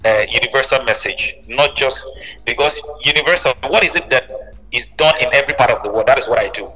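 A man with a mid-range, brisk voice and a sharp tone speaks as a musician guest in an interview, emphatic and repeating phrases for stress. The room is reverberant, with a long echo.

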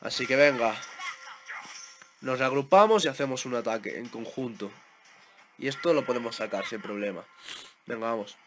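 A young man with a Spain Spanish accent giving excitable live gameplay commentary, repeating words in quick bursts as he plays. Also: mid-range voice, noisy background. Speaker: gaming YouTuber.

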